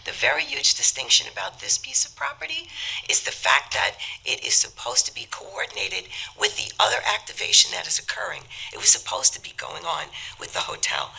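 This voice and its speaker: Hoarse woman board member with a cold, gravelly, bright and tense, lively pitch, pressing her point hard. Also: rough recording. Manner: forceful, indignant, interrupting. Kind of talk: public meeting debate. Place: town hall meeting room.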